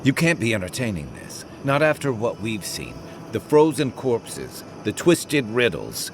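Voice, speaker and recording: A man's voice: fairly low pitch, wildly swooping pitch, a little slow, background noise, heavily acted. An actor playing a principled male companion in a video game, earnest and emphatic. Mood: appalled. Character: outraged, principled male companion pleading for innocents.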